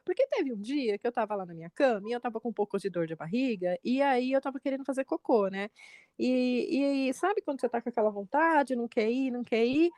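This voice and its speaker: A woman in her forties, a mother co-hosting a podcast, telling a family story in lively chat and jumping up in pitch when she quotes people. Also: dry recording, clean studio sound. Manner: animated retelling, quotes her son with pitch jumps.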